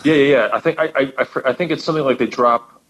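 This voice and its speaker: A man's voice: medium pitch, quick pace, a bit bright. A man speaking as a guest co-host in a casual chat. He explains at length and often stammers and repeats words.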